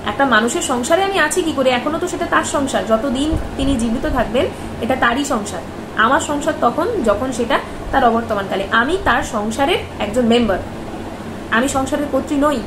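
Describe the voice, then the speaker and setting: A young woman speaks straight to camera in a high, bright voice, asking one rhetorical question after another. Her voice rings off the walls of a bare, echoey bedroom. A clear hiss of noise runs under it. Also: normal speed. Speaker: vlogger. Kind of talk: commentary vlog. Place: bedroom, indoors. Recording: echoey room with background noise.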